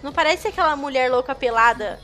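Bright, high-pitched Brazilian woman streamer. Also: fast, soft background music. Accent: Brazilian Portuguese. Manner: chatty, greets viewers, excitable outbursts. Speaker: streamer playing a game. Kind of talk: casual gameplay commentary.

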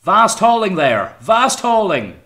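Man voicing a piercing, excitable boy midshipman. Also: slow, heavily acted. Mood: urgent, excited. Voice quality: high treble, piercing.

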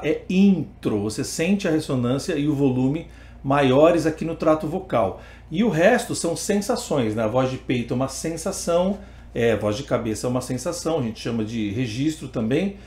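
A man's voice: fairly high pitch, darkish tone, roomy sound. A man with a Brazilian Portuguese accent teaching an online singing lesson, explaining step by step between sung vowel demonstrations. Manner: explains step by step, then sings vowel examples.

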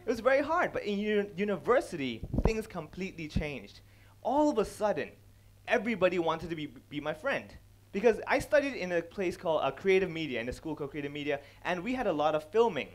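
A young man from Hong Kong works a large stage as a stand-up comedian, talking into a headset mic. His voice sits high and swings through a wide, lively range. He slips into quick character voices as he tells his stories. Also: slight background noise. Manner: animated, acts out characters with quick voice changes. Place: large dark stage before a live audience.

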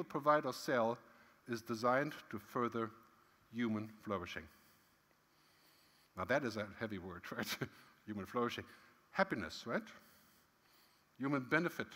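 A man's voice: medium pitch, fairly bright tone. A middle-aged man giving a conference keynote on a large stage, talking in a conversational way with frequent "right?" tags and emphatic swings. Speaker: keynote speaker. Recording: long hall reverb.

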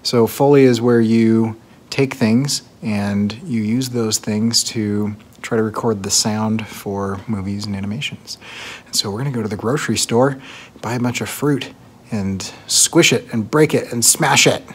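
A man in his thirties, an animator hosting his own vlog, talking in a relaxed, chatty way with fillers from his home studio. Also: fairly low pitch, a little slow, a little hiss or hum. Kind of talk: casual vlog talk. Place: home art studio, indoors.

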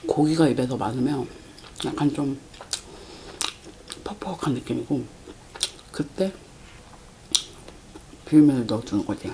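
Fast-talking woman, mouth full of food. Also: a bass voice, noisy background. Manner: chatty, soft-spoken, sometimes half-whispering. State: talking while chewing. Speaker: mukbang creator. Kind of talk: casual eating-show chat to viewers. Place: home at night.

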